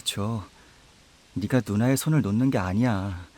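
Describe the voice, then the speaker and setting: A male actor playing a gentle, earnest young man in an audio drama. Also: on the low side, unhurried. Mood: earnest, consoling.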